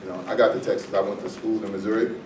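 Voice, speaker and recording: A man's voice: fairly low pitch, flat delivery, very fast. Man joking through a talk in an echoey room. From U.S. Virgin Islands (St. Croix). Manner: joking, chatty, loose and conversational. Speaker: fire department safety presenter. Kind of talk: informal presentation to a seated group. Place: meeting room with an audience. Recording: echoey room, mic far off, noisy background.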